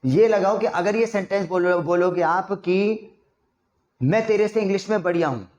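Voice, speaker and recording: A man teaching English in a chatty way, repeating example sentences slowly so learners can drill them. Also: high-pitched, darkish tone, echoey room, highs cut off. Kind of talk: spoken English lesson in Hindi.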